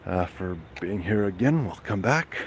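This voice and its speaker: A Serbian man with a very low voice chats casually with viewers on a live stream. He's animated but slow and halting, often stopping for fillers and restarts, with faint ambient noise in the background.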